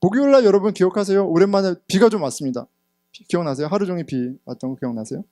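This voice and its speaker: Male pastor, 30s, sermon; fairly high voice, candid and personal, dynamic swings, dry sound. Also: rapid-fire, no echo. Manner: candid storytelling, sometimes laughing, swings between loud and hushed. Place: church sanctuary.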